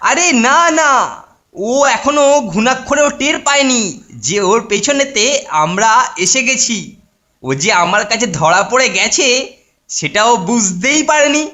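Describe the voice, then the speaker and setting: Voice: mid-range voice, lively intonation, measured pace, sharp tone. An actor voicing a bumbling teenage boy who fancies himself a detective, boastful and conspiratorial, in a cartoon. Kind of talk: cartoon voice acting. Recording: music behind the voice. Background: cartoon background music.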